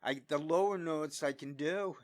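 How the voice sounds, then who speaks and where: A man's voice: on the high side, moderate pace, no echo. A man talking to himself on a solo vlog, his voice gone scratchy from singing, self-deprecating and thinking aloud. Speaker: solo vlogger. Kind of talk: unscripted rambling between singing attempts. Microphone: studio-quality microphone.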